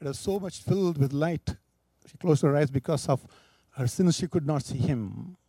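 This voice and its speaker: A man's voice: on the high side, normal speed, warm tone, slightly rough, no room sound. A man preaching, telling a story with emphatic, dramatic delivery. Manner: emphatic, rising and falling for drama.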